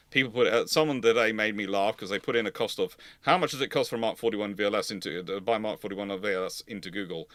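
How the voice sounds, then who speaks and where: Bright-voiced man, casual expert commentary. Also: lowish voice, dry recording. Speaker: host of a history livestream.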